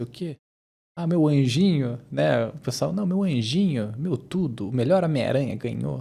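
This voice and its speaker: With a São Paulo accent, a man speaks fairly quickly in a dark, mellow, somewhat breathy tone. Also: medium pitch for a man, lively intonation. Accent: Brazilian Portuguese, São Paulo. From Brazil, São Paulo. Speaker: YouTuber reacting to videos. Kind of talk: reaction video commentary. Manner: animated, casual.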